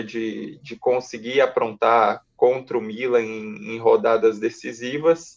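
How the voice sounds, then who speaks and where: With a plain, everyday voice, a man speaks at a fairly slow pace, medium in pitch with ordinary pitch variation. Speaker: football analyst host. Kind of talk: casual chat.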